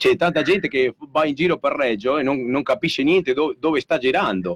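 A man's fairly high voice carries an animated tone and vocal fry. He talks at a fairly quick pace, with a dry, close sound and no echo. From Argentina. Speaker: radio co-host. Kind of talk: casual chat. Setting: radio studio.

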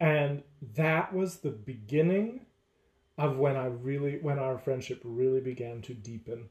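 A man's somewhat breathy voice unfolds at a fairly slow pace. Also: medium pitch for a man, ordinary pitch variation. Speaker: podcast co-host. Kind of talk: casual conversational podcast chat.

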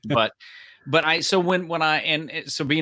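A man talks with a Southern US accent. His pace is fairly quick. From Nashville, Tennessee. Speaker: podcast host, former radio and TV presenter. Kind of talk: casual interview chat; scripted podcast outro.

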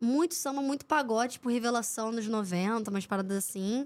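With a Rio de Janeiro accent, a woman speaks at a moderate pace. Her pitch is high, with ordinary variation. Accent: Carioca Brazilian Portuguese. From Rio de Janeiro (Madureira), Brazil. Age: 20s. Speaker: sports reporter and content creator. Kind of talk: casual chat. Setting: studio.

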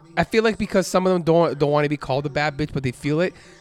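A man's voice over noticeable background noise. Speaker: podcast host. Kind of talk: casual chat. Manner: fast talker.

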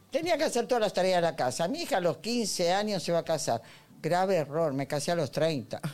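The voice moves at a fairly quick pace with very wide pitch swings. Its loudness stays very even. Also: woman, fairly low pitch for a woman. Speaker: elderly guest panelist. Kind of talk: casual chat. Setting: studio.

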